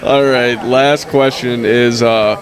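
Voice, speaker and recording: A man with a raspy voice, hoarse from a head cold, chatting bluntly as a guest and swearing freely. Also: mid-range voice, steady tone, slow pace. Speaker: wrestler guest. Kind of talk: casual interview chat. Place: busy tattoo expo floor. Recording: loud crowd noise around. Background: loud crowd chatter.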